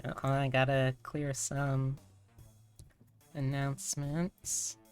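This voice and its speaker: A woman's voice: a bass voice, little pitch movement, drawn-out words, darkish tone, clear, resonant tone, faint music behind. A woman hosting a casual live stream, chatting and thinking aloud in a rambling way. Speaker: streamer host.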